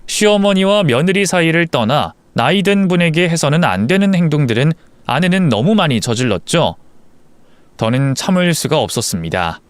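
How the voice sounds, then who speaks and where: A man narrating a family story in first person, calm in narration and harsh and scornful when confronting. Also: fairly high pitch, normal speed, clear, resonant tone, no room sound.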